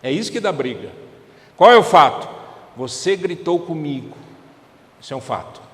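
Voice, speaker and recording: A man's voice: a little high, very animated, fast talker, a bit bright. A man with a Brazilian Portuguese accent preaching a sermon in a conversational way, often putting questions to the congregation. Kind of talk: church sermon. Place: church hall. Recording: echoey church hall with long reverb.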